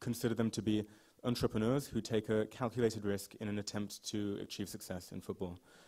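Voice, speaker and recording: Against a quiet background, a man with a normal speaking voice talks at a fairly quick pace, his fairly low pitch holding fairly even intonation. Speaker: PhD researcher; conference presenter. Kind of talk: conference presentation. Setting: stage with audience. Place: meeting room. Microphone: podium.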